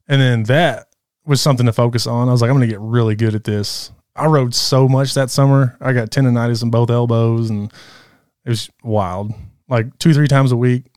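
A man in his thirties, a guest in a casual interview, talking in a relaxed, candid way. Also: mid-range voice, clean tone, no echo, clean studio sound. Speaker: guest rider.

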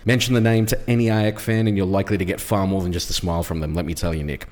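A man's voice: low-pitched, steady tone, fast talker, darkish tone, big-room sound. A man with an Australian accent, hosting a podcast in a casual, conversational style. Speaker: podcast host. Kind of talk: casual chat, introducing a guest.

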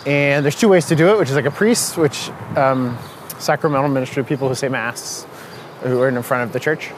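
A man's voice: mid-range voice, brisk, a little hiss or hum. A man who is a religious brother, chatting in a friendly, easygoing way and laughing easily. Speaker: Jesuit brother, interviewer. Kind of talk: casual conversation.

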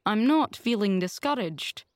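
A woman voicing a stern, resolute guardian in a storybook, speaking in a dry, firm, measured manner. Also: medium pitch, animated, dry recording, lightly acted.

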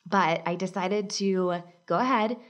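A woman in her thirties hosting a casual solo podcast, upbeat and chatty, her voice husky from a cold. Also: on the low side, a little slow. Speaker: podcast host and business coach.

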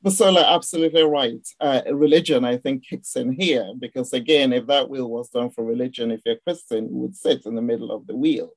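A woman with a Nigerian accent, a guest speaker explaining ideas in a measured way on a video call. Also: very deep voice, a little mellow, no echo, rough recording. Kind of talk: online discussion session.

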